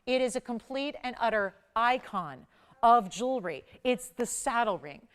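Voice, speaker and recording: Hosting a live jewelry shopping show on TV, a woman in her forties pushes an eager, emphatic pitch that returns again and again to the same selling points. She sounds expressive and keeps a moderate pace.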